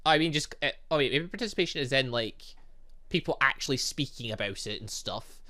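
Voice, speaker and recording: Gaming streamer, medium pitch, very animated: casual, excitable commentary that rambles into exasperated asides while reading game text. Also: fairly quick. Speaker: gaming video host. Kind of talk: casual let's play commentary, reading game dialogue aloud.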